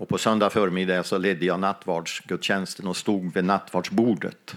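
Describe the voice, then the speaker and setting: Keeping his intonation fairly even, a man talks at a moderate pace in a very deep, low pitch. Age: 70s. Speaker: retired evangelist and pastor. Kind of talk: interview conversation. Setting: tent meeting with audience. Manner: halting, with repeated words.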